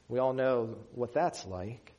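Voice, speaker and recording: A man's voice: medium pitch, mellow, lo-fi sound. A man from Western Pennsylvania preaching a sermon in an earnest, emphatic way. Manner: earnest, emphatic preaching with slow deliberate pauses. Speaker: pastor.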